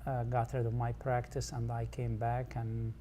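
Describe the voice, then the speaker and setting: A man's voice: medium pitch, completely flat delivery, moderate pace, mellow, a little hiss or hum. An older man from Egypt, an audiologist guest, answering in brief, matter-of-fact sentences.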